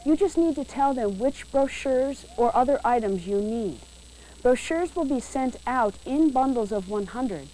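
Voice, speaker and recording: A woman reading a scripted instructional narration for a training video in a clear, measured, instructive way, heard from a worn VHS tape copy. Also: on the high side, darkish tone, rough recording.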